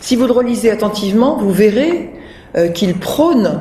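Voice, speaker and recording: Noticeable background noise under a woman's fairly slow speech. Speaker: senior education ministry official. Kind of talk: lecture to education staff. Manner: authoritative, stresses syllables.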